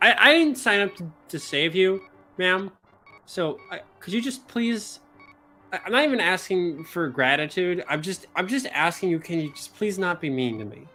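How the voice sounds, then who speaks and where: A woman with a Southern California accent speaks at a medium pitch and moderate pace, with music in the background. Her pitch swings very widely and her loudness shifts in big swings. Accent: Valley accent, Southern California. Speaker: roleplayer voicing a character.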